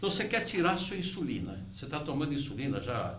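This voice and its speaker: Against noticeable background noise and audible room echo, a man speaks at a fairly quick pace, his pitch making very wide swings. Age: 70s. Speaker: physician, nutrition specialist. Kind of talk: TV health interview.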